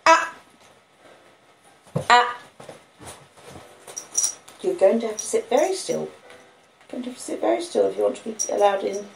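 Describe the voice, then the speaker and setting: On poor audio with slight background noise, a woman in her fifties with an Australian accent reads a classic novel to her listeners in a warm, chatty way. Her voice is creaky and on the high side. She's indoors at home and pauses to talk to her dogs.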